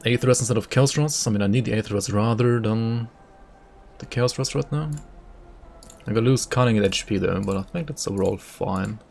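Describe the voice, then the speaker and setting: A man's voice: fairly low pitch, a little fast, vocal fry, a little mellow, a little hiss or hum. A man, an English speaker, streaming a game and casually thinking aloud while answering chat, with many "like" fillers. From Germany. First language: German. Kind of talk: live gameplay commentary, reading chat.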